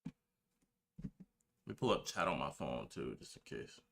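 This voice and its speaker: A man's voice: very deep voice, big pitch swings, a little slow, creaky, fairly bright tone, a little hiss or hum. A nineteen-year-old man chatting casually and slangily on a livestream, laid-back as he talks to his viewers. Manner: laid-back, slangy, talking to chat while setting up. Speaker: livestreamer, gamer and reaction video creator.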